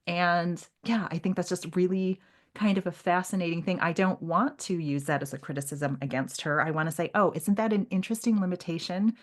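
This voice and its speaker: Lower-pitched woman chatting about books. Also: fairly even intonation, brisk. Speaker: podcast co-host. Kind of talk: casual literary discussion.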